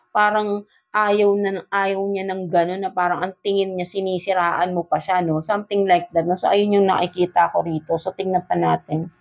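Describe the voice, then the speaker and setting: This tarot reader, a woman with a Filipino accent, has a medium-pitched, slightly mellow voice. Mixing English and Tagalog in a relaxed love reading, she tags almost each phrase with an inquiring "no?"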